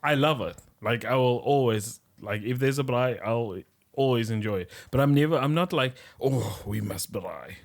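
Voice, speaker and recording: South African man, young, co-host; easygoing soft-spoken chat, mid-pitched. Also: normal speed. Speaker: podcast co-host. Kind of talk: casual chat.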